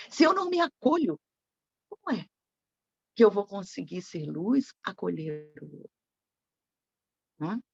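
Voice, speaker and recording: Woman preaching, reflective, slightly gravelly voice, dull dry lo-fi sound. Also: medium pitch, no echo. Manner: reflective, tags phrases with "né?". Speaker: spiritist lecturer. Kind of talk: sermon.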